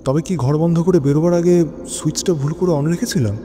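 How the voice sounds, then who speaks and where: A man playing a lonely, brooding widower, narrating his haunted memories in an introspective, theatrical audio drama style with rhetorical pauses. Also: a little high, dark tone, a little hiss or hum, natural voice. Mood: puzzled unease. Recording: long reverb, music bed underneath.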